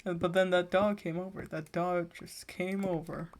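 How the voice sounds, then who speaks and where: A woman's voice: on the low side, level tone, moderate pace, slight background noise. A teenage woman streaming a game and telling a rambling story in casual chat, full of filler likes. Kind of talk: casual chat while gaming.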